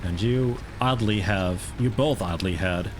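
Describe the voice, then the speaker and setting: Streaming a game, a young American man chats casually, rambling, amused, and cutting himself off mid-thought. His fairly low voice moves a little slowly, his accent is mixed American with some picked-up European mannerisms, and the background is noisy.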